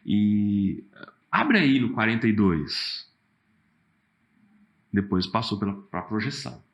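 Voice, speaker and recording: A man, a pastor, telling stories about his church life in a relaxed, animated way. He often acts out what other people said. The sound is a bit dull and lo-fi. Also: fairly low pitch, slow pace. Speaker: pastor and worship leader. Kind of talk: casual interview storytelling.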